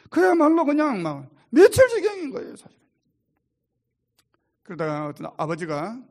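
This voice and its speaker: A male pastor preaching a sermon, swinging between loud exhortation and hushed, soft-spoken storytelling. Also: high voice.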